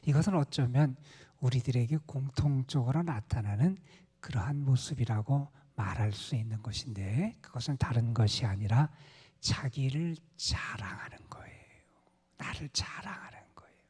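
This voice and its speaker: A male pastor gives a dawn prayer sermon, his mellow, husky voice often dropping to a near whisper. The sound carries a long reverb from the church sanctuary. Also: mid-range voice, normal speed. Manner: soft-spoken, often half-whispered delivery.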